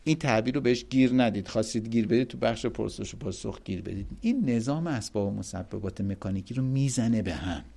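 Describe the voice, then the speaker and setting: A man giving a religious lecture, emphatic and animated, reciting Arabic quotations and explaining them to his audience. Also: on the low side, creaky, few pauses. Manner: animated, emphatic, rises sharply on key points.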